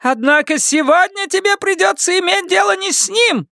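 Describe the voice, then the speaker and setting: A man voicing a furious, sarcastic middle-aged mother who screeches and yells. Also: very high-pitched, normal speed, vocal fry, no room sound, studio quality, voice pushed up, full character voice. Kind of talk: audiobook character reading.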